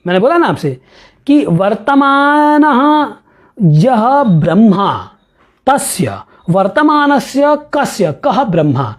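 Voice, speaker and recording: The verses of a classical astronomy text are read slowly by a male professor, who then explains them through rhetorical questions and chuckling digressions. His pitch is extremely high and swings dramatically.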